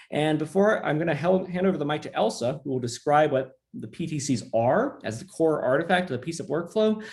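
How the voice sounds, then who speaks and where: A man's fairly high, somewhat breathy voice with very wide pitch swings. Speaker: software productivity researcher. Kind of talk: webinar presentation. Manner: fast.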